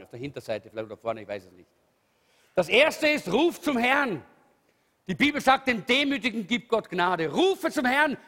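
A man preaches an emphatic sermon. His voice sits high and swings widely in pitch. It rings out in a reverberant church hall. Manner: lively, emphatic preaching with calls of hallelujah. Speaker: pastor.

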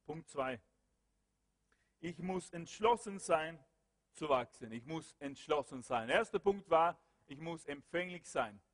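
A male preacher with a high voice delivers an impassioned sermon and prayer. He swings between loud calls and low murmurs, and his voice trails off in a long reverb. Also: lively intonation, unhurried.

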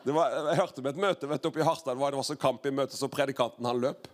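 A man's voice: medium pitch, fairly even intonation, slight background noise. A man hosting a Christian conference, speaking informally and hesitantly as he introduces and prays. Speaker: conference host introducing a preacher. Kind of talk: informal spoken introduction and prayer at a church meeting.

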